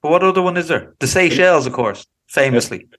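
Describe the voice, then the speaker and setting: A man's voice: fairly high pitch, animated, fast, fairly bright tone. A young Irish man co-hosting a podcast, bantering in a dry, teasing way. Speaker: podcast co-host. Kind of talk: casual chat.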